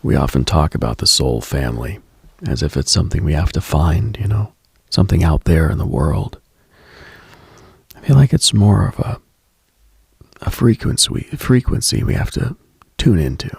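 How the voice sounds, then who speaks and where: Male late-night host, heavy vocal fry, very dry close sound; intimate, husky, unhurried, contemplative ASMR-style delivery. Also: very deep voice, big pitch swings, no room sound. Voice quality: husky, gravelly, breathy. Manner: hushed, unhurried, contemplative, addresses listener directly.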